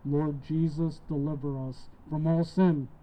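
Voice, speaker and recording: A man leading solemn Catholic prayers and litanies in a measured, formal, reverent recitation. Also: on the high side, level tone, mellow, low-quality recording. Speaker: prayer leader.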